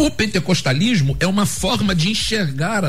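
With noticeable background noise and audible room echo, a man speaks at a moderate pace, his pitch swinging very widely. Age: 50s. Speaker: Baptist pastor. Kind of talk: panel debate on radio.

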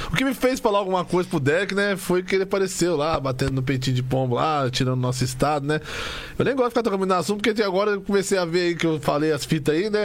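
A man talks at a very fast pace and high pitch with lively intonation and very even loudness, with noticeable background noise. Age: 40s. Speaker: rapper. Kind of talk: casual chat.

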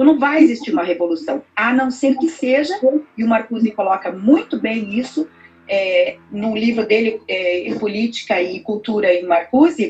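With an unremarkable speaking voice, the speaker moves at a moderate pace with lively intonation. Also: woman. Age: 50s. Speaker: education professor. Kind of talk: lecture presentation.

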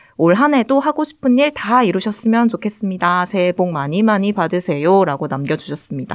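With hardly any pauses, a woman of medium pitch talks at a fairly quick pace in an animated tone with very wide pitch swings. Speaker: journalist podcast host. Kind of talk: casual chat. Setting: studio.

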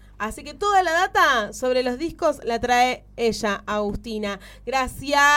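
Bright and sharp, a woman's high voice moves at a fairly slow pace with an animated tone, lively intonation and big swings in loudness. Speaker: radio host and singer. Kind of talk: casual chat.

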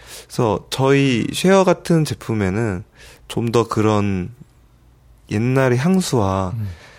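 At a very slow pace with long, frequent pauses and very wide pitch swings, the voice comes through in a very clean recording with a silent background. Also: man, medium pitch for a man. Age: 30s. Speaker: camera company PR staffer. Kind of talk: interview.

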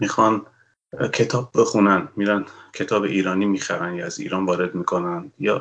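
Against a quiet background, a man with a very deep, low voice speaks fairly quickly with ordinary pitch variation. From Iran, Rasht (Gilan). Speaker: mechanical engineer and part-time journalist. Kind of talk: casual interview.

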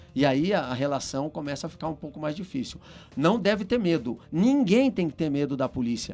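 A plain, everyday voice: a man, fairly high-pitched, with lively intonation at a fairly quick pace. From Brazilian Northeast, Paraíba backlands. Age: 40s. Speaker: police captain and political candidate. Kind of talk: interview.

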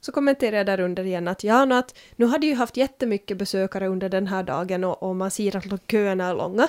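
A woman talks at a very fast pace with ordinary pitch variation, captured in a very clean, silent-background recording that is dry and close with no echo. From Finland, Ostrobothnia (Jakobstad). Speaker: podcast host. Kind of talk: casual chat.

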